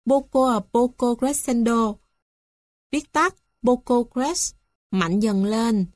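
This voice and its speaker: A woman reading a music theory textbook aloud in a slow, measured, list-like way. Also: on the high side, darkish tone, no room sound, clean studio sound. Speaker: textbook reader.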